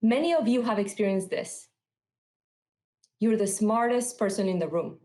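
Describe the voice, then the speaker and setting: A woman from Peru delivers a prepared conference talk, measured and earnest as she tells her story. Her voice sits in a middle register, and the recording carries a noticeable roomy echo. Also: mid-range voice, warm tone. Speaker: conference speaker.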